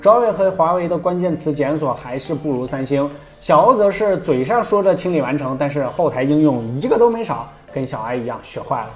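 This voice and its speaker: A man's voice: on the high side, animated, brisk, few pauses. A man hosting a tech review, narrating from a script with playful, wry commentary.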